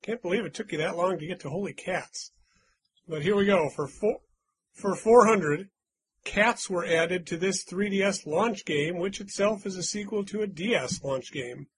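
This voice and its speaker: Man, quiz host, slightly higher voice, husky, chatty and teasing. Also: normal speed, low-quality recording. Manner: reads clues, teasing and chatty. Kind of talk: casual game-show chat with friends.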